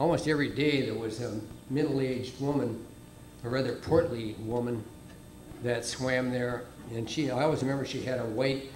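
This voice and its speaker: At a moderate pace, a man with an American accent talks in a monotone, flat intonation. Room echo can be heard, along with light background noise. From US Midwest. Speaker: former resident and local history speaker. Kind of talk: reminiscence speech to audience. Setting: reunion gathering with microphone and audience. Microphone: podium.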